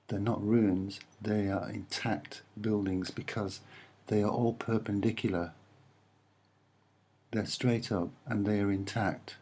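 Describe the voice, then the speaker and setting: A soft-spoken man giving a hesitant, musing, rambling commentary on images as an amateur presenter. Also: on the low side, husky.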